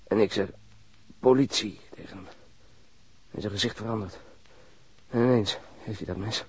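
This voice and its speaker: An actor playing a wounded policeman in a radio drama, speaking halting in strained, broken phrases with a husky, breathy voice. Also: fairly low pitch. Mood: tense, agitated. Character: wounded policeman recounting being stabbed, shaken but admiring.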